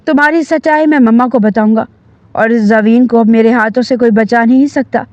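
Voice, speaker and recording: A woman's voice: on the high side, fairly even intonation, a little mellow, no room sound, dull audio, close to an everyday voice. Woman voicing a stern, angry young man. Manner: stern, restrained anger. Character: angry protective young man, older brother.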